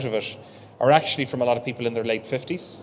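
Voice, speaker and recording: A man with an Irish accent speaks at a very fast pace. His pitch is medium with ordinary variation, and there is noticeable background noise. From Ireland. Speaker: airline executive. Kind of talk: on-stage interview. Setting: stage with audience.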